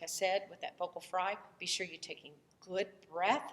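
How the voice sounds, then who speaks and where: Her pitch medium, a woman talks in a Southern US accent. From US South. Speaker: voice teacher. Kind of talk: lecture.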